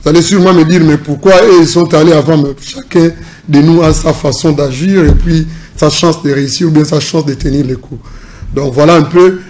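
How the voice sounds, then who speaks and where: A middle-aged man from Congo Central with a Congolese French accent, answering interview questions in a measured, formal way as a political analyst and businessman. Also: a little high, steady tone, darkish tone. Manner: measured, formal, mixes in Lingala.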